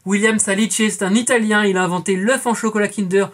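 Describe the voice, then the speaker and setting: A woman's voice: mid-range voice, fairly even intonation, a little fast. A woman in her twenties hosting a scripted educational quiz, chatty and playful, calling her viewers friends and adding jokey asides. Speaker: quiz show host.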